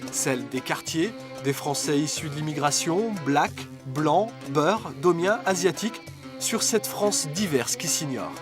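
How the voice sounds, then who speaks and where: A man's voice: a little high, expressive. Man narrating a documentary over music. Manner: measured, formal.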